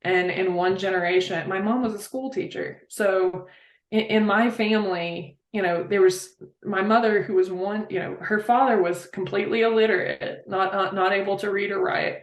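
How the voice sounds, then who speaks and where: A woman chats as an interview guest, heartfelt and rambling, full of "like" and "you know". Her voice sits at an ordinary middle pitch. The sound is roomy, with a clear echo around her. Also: steady tone, normal speed. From Appalachia, West Virginia. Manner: heartfelt, rambling, many fillers. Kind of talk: casual interview chat.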